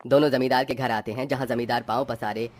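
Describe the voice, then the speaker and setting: A man narrating a children's cartoon story in a steady, scripted storytelling manner. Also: medium pitch, quick pace, dry recording, soft background music.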